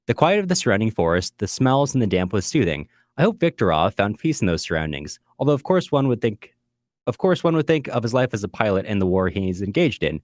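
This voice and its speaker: A podcast co-host from California with an American accent leads a casual literary discussion, reflective and occasionally wryly joking. His voice is on the low side, very animated, and brisk, with no room sound.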